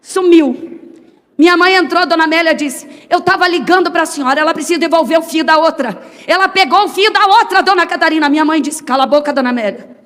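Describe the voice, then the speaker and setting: A woman's voice: very high voice, a little fast, a bit bright, in a large hall. A woman telling her personal testimony as a sermon, acting out the dialogue she quotes as she tells the story. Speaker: testimony speaker.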